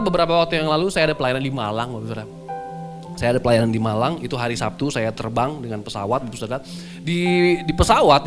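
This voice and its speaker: A young man, a pastor, preaching a sermon and telling a story to his congregation in a lively way. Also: medium pitch. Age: young adult. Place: church hall. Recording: with clear music behind.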